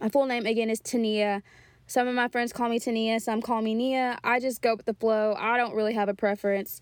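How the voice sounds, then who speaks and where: This woman has a Southern US accent and a fairly high voice. Her intonation is fairly even, and the recording is very clean with a silent background. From rural West Tennessee. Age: 20s. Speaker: podcast host. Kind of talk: casual monologue. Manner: filler-heavy (many ums).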